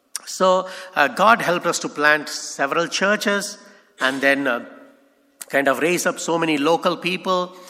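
A man talks in a high voice with lively intonation at a fairly slow pace. His pauses are long and frequent. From India. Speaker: missionary. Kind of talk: sermon. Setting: church.

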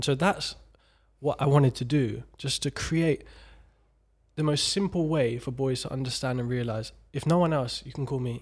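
With a British accent, a man speaks in a fairly high, somewhat breathy voice with ordinary pitch variation. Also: moderate pace, very clean recording, silent background. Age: 30s. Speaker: former footballer and clothing business owner. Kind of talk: interview conversation.

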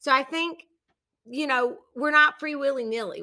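Projecting a raised voice at a moderate pace, a woman sounds animated, her tone bright and sharp and her intonation lively. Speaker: podcast host and community founder. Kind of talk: casual interview chat.

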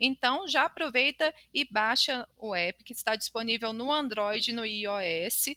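Her tone bright and sharp, a woman speaks at a fairly slow pace with lively intonation in a dry, close sound with no echo. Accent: Minas Gerais. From Minas Gerais, Brazil. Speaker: running podcast host. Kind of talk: casual news roundup. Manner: animated.

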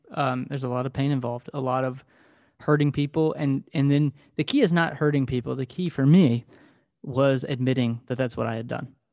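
An unremarkable speaking voice from a man, medium in pitch and fairly even in intonation, with a dry, close sound with no echo and a quiet background. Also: fairly quick pace. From Texas. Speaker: author and podcast co-host. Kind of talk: interview conversation. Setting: video call.

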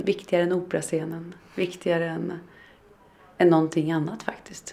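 With noticeable noise in the background, a woman's voice comes across at a fairly low pitch. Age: 30s. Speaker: opera singer and music teacher. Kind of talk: interview.

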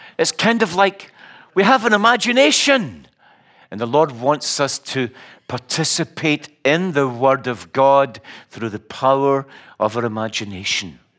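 Man in a Scottish accent, fairly high-pitched with very wide pitch swings, at a fairly slow pace. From Scotland. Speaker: preacher. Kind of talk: sermon. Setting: church.

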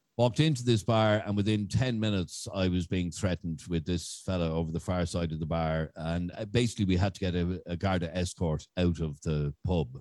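With a Dublin accent, a man speaks at a fairly quick pace with hardly any pauses, his very deep, low pitch showing ordinary variation. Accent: Dublin Irish. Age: 50s. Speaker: radio broadcaster. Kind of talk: casual interview chat.

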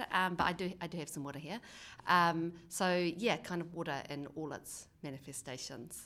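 Bright and sharp in tone, a woman speaks in a New Zealand accent at a fairly low pitch. Her pace is moderate, with ordinary pitch variation. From New Zealand, Wellington. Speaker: writer. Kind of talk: interview conversation. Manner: hesitant, many ums.

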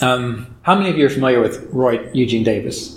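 A man's slightly breathy voice at a medium pitch with an American accent and ordinary pitch variation. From West Virginia. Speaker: yoga and meditation teacher. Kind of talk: talk to a retreat group. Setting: retreat session with live audience. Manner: many fillers (um, uh).

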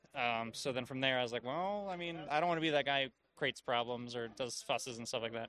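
A man talks at a very fast pace with a bright, sharp tone. His voice sits at a medium pitch with ordinary pitch variation. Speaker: tournament champion. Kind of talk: casual interview. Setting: event floor.

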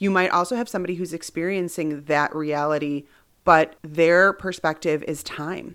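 A woman talks in a normal speaking voice with a fairly low pitch. Her pace is moderate and her intonation fairly even. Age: 40s. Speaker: podcast host, marketing mentor. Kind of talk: solo podcast monologue. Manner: casual, conversational.

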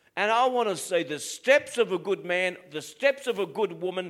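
With an Australian accent, the speaker keeps a moderate pace. The intonation is lively. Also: man. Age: 60s. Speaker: pastor. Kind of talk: sermon. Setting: church.

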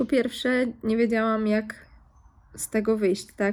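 In a very clean recording with a silent background, a woman with a fairly high voice and a dark, mellow tone speaks at a very slow pace in a monotone, flat intonation. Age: 20s. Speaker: podcaster and influencer. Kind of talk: personal monologue. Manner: casual with hesitations.

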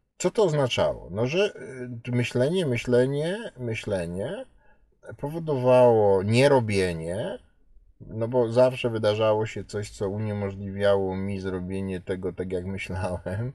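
Speaking at a fairly slow pace, a man has a dark, mellow tone. His pitch is fairly low, with ordinary variation. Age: 50s. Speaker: addiction therapist, podcast host. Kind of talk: personal monologue. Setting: in a car. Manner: halting.

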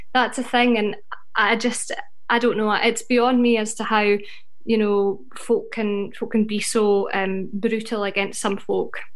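Speaking with a northeast Scottish accent, a woman uses a fairly high pitch. Her delivery is fairly slow, flat and monotone. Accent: northeast Scottish (Doric). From northeast Scotland. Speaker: folk singer. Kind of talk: casual radio interview.

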